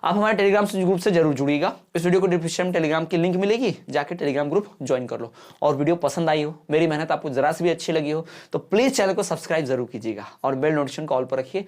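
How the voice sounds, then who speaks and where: A man's voice: a little high, fast talker, hardly any pauses, a little mellow. A male exam-prep teacher giving an online lesson in mixed Hindi and English, explaining patiently and often checking whether the students have understood.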